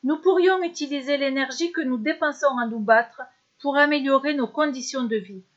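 An earnest, thoughtful young king from a storybook, as a woman narrator puts him on. He speaks solemnly and sincerely in a high-set voice, and the recording sounds slightly dull and lo-fi. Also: moderate pace, close to an everyday voice.

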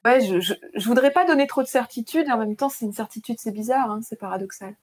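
A woman in her thirties with a fairly high voice talks fast as an author being interviewed. She speaks thoughtfully and searchingly, restarting often, and reads a passage from her book.

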